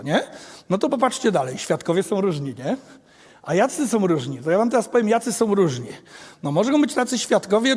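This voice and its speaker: A middle-aged man with a high voice gives a chatty lecture, tossing questions at his listeners. He slips into the voices of students and teachers as he tells his stories. His voice rings out with the long reverb of a large hall. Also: a little mellow. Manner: conversational, keeps asking the audience "nie?"; acts out quoted students and teachers. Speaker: professor giving a talk on youth and cyberviolence. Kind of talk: lively lecture with anecdotes.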